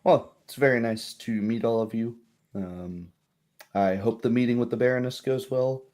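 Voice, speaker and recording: A man's voice: mid-range voice, normal speed, darkish tone, close to an everyday voice. A man voicing a casual, helpful, curious townswoman in a tabletop game, musing hesitantly and informally. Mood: friendly, informal.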